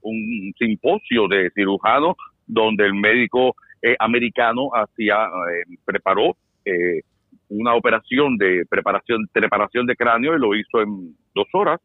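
A man's voice: on the low side, moderate pace, dry recording, phone-quality sound. An older man with a Cuban accent, an actor chatting casually and telling joking stories. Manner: joking storyteller, acts out quotes. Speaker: actor and guest. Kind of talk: casual chat.

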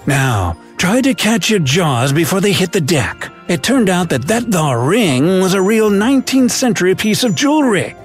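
A man's voice: high voice, lively intonation, moderate pace, few pauses, faint music behind. A man voicing an old male pirate storyteller who tells tales of lost treasure in pirate slang with a theatrical drawl. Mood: jolly. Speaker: narrator. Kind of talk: scripted narration.

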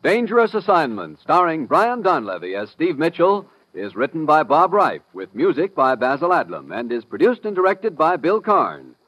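A man's voice: a little high, sing-song, moderate pace, few pauses, a bit bright, husky, no room sound. Male American announcer for vintage radio thriller, sweeping delivery, dull close recording. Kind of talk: 1950s radio drama announcing, scripted.

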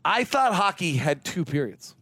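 A Californian man with a fairly high voice speaks at a moderate pace as co-host of a postgame sports radio show. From a closed studio near an arena, he breaks down the game in animated fashion, telling jokes and stories.

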